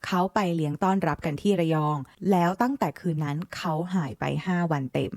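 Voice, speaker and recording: A woman's voice: low-pitched, brisk, a little mellow, no room sound. Brief: woman storyteller, sassy asides, dry close sound. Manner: sassy, addresses listener as girlfriend. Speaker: storyteller reading a forum post. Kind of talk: reading a story aloud with chatty asides.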